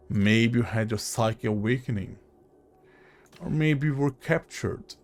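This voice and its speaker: A man giving casual video game commentary as host, halting and thinking aloud as he goes. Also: on the low side.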